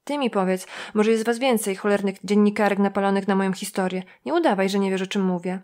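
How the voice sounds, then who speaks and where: A woman voicing a volatile, sharp-tongued young woman who talks in a brash, mocking way, in an audiobook. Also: mid-range voice, fairly even intonation, fast, natural voice. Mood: scornful.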